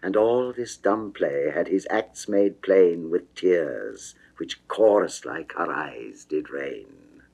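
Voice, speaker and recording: A man narrating a poem as theatrical classical verse, moving between hushed and declamatory delivery. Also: low voice, expressive, gravelly, slightly rough. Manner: dramatic, measured, swinging between hushed and declamatory. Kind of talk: classical theatrical verse recitation, 1960s recording.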